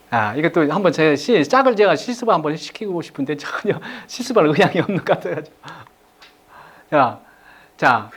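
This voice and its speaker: Animated male lecturer coaxing his audience. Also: high-pitched, slightly rough. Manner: animated, coaxing the audience, acting out couple dialogues, chuckling often. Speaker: marriage communication lecturer. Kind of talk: interactive lecture to a live audience.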